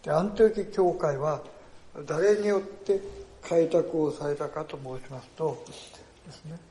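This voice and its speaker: An older man, a pastor, delivering a sermon in an earnest storytelling way, often tagging his phrases with a soft emphatic filler. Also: on the high side, moderate pace. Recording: echoey church hall.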